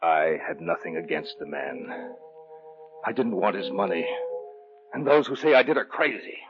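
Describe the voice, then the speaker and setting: A jittery, guilt-ridden young man whose voice swings wildly from hushed pleading to frantic cries. It comes through a dull, lo-fi old-time radio broadcast, with music swelling behind him. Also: deep voice, animated, normal speed. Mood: brooding. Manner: pleading, hesitant, breaking into frantic shouting. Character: nervous, guilt-haunted young man, unhinged. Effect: old-time radio drama broadcast. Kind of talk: 1940s radio acting.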